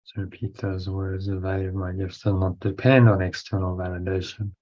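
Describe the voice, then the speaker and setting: A man leading a guided breathing meditation as a teacher, giving instructions in short phrases with pauses and reading out affirmations. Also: low voice, flat delivery. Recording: dull, lo-fi sound.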